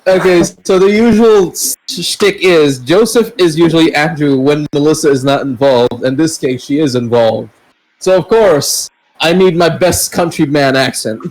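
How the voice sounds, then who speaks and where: A man's voice: a little high, moderate pace, darkish tone, poor audio. A man hosting a casual group chat and handing out roles, playful, teasing and free with swearing. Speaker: podcast host assigning voice roles. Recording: voice call with background noise.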